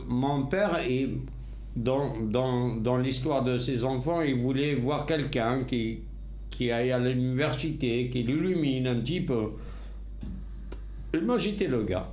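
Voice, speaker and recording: An older man with a Kabyle Berber mother tongue, speaking slowly and emphatically in an interview. His voice rises and falls in lively swings at a middle pitch. The room around him sounds echoey. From North Africa. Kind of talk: unscripted conversation.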